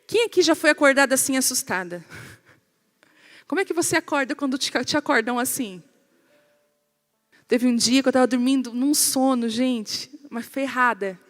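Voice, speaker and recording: A woman's voice: high-pitched, normal speed, pauses often. A woman pastor with a Brazilian Portuguese accent preaching a sermon, telling stories with animation and speaking straight to her congregation. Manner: animated storytelling, addresses the congregation directly. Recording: long hall reverb.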